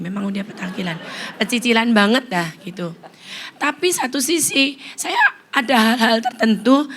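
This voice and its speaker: A woman's voice: fairly high pitch, fairly bright tone. A middle-aged woman co-preaching beside her husband, talking frankly and chattily straight to the congregation. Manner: chatty, frank, addresses listeners directly. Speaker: pastor's wife, co-speaker. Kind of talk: sermon talk addressing the congregation.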